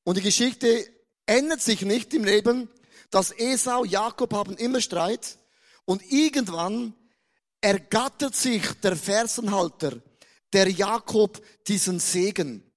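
A man's voice: sits high, unhurried. A man from Switzerland with a Swiss German accent preaching a playful sermon, stumbling over repeated words and joking with the audience. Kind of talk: lively humorous sermon.

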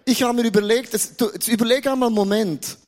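A Swiss man preaches with a notably high voice, playful and chatty. He stumbles into quick repetitions and banters with his listeners. His Swiss German accent is plain throughout. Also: fairly even intonation, a little mellow. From Switzerland. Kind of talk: lively humorous sermon.

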